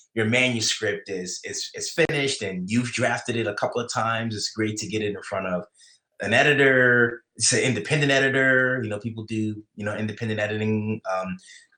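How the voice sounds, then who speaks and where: A man with a New York accent talks at a fairly quick pace, his medium-pitched voice holding a fairly even intonation. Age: 30s. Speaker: writer and livestreamer. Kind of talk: live writing stream chat. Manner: halting, many repeated words and fillers.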